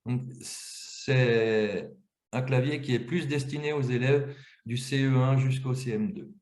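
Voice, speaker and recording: A man with a mid-range, darkish voice presents a webinar, slowly explaining an app and walking through its screens step by step. The audio is roomy and echoey.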